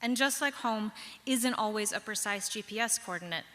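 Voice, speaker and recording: Young woman telling her own story on stage, bright voice, thoughtful pauses, long reverb from a big hall. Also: mid-range voice. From Pacific Northwest, USA. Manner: measured, reflective, lilting pauses. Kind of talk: personal story told live. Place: large hall, live stage.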